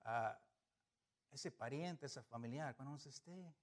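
An unhurried man with a mid-range voice preaches an animated sermon. He moves back and forth between loud emphasis and hushed asides while putting rhetorical questions to the congregation.

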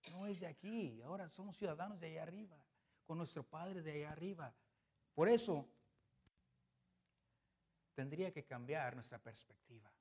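A man from Mexico with a Mexican Spanish accent, preaching a sermon as pastor, swinging from loud emphatic bursts to soft low asides and chuckling through his stories. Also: moderate pace, long pauses, breathy edge.

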